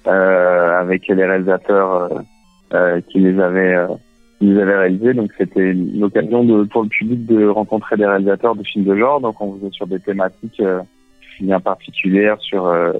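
A man's voice: deep voice, flat delivery, moderate pace, dry recording. A man with an accent from France, a guest in a casual phone interview, talking hesitantly as he searches for words. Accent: French from France. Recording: dull band-limited phone line, faint music. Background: faint music.

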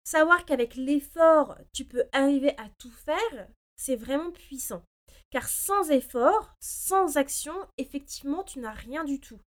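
High-voiced woman in casual motivational talk. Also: lively intonation, a little slow. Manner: mixes English phrases into speech. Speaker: personal development podcast host. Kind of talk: casual motivational monologue, informal address to listeners.

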